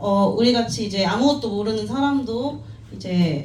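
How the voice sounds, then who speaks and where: A woman's medium-pitched voice with lively intonation, set against noticeable background noise and audible room echo. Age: 30s. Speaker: team member giving a talk at a business meeting. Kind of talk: motivational talk at team meeting. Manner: halting, with fillers.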